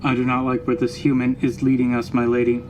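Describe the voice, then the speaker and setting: A man's voice: medium pitch, completely flat delivery, fast talker, background noise, close to an everyday voice. A man voicing a formal, distrustful robot bodyguard with stiff, courteous diction in a tabletop game. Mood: suspicious.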